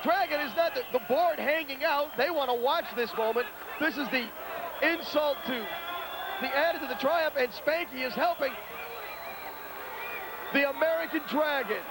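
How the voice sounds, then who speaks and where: A man giving excitable play-by-play commentary on a wrestling match, often shouting over the action, heard from a worn VHS tape copy. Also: very high-pitched, moderate pace, long pauses, background noise. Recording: worn VHS tape, loud arena crowd. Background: loud cheering wrestling crowd.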